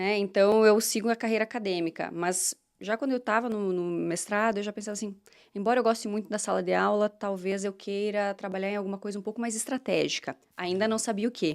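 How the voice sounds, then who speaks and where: A woman's medium-pitched voice with a Santa Catarina accent, fairly even intonation and a fairly quick pace, on a very clean recording with a silent background. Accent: southern Brazilian (Santa Catarina). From southern Brazil, Chapecó, Santa Catarina. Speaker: corporate security executive. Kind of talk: podcast interview. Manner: hesitant, many fillers.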